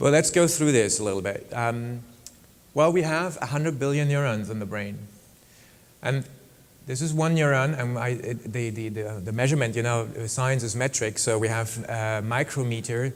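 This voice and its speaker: With audible room echo, a man of medium pitch speaks at a moderate pace with ordinary pitch variation. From Germany. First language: German. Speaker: neuroscientist and foundation science director. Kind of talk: conference talk. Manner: conversational, with fillers.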